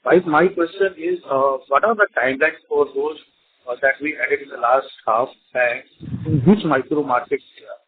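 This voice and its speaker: A man with an Indian accent asking questions as an analyst on a conference call, in halting, broken phrases. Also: medium pitch, slightly rough. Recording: muffled tinny phone connection.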